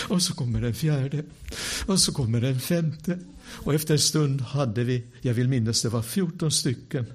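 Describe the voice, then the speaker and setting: Man telling a lively sermon story. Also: mid-range voice. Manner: animated storyteller with wry asides; drops to a hush for quiet moments. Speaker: preacher.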